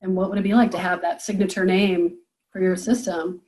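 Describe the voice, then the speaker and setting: A woman's voice: on the low side, flat delivery, a little fast, darkish tone, rough recording. Encouraging woman business coach. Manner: encouraging, thinks aloud with fillers. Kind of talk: group coaching call.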